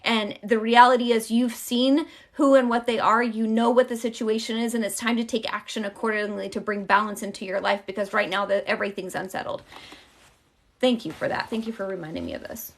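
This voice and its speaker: A woman hosting a live-streamed tarot card reading. She chats casually with her viewers and speaks calmly and encouragingly when she gives guidance. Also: fairly high pitch, brisk. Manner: chatty, addresses viewers directly with y'all.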